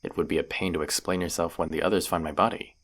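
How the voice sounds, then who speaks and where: Casting: male actor as stubborn wounded monster hunter, deep creaky voice, sarcastic and teasing, roleplay audio drama. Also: fairly even intonation, quick pace, fairly bright tone. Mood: wary, wry. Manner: sarcastic, grumbling banter.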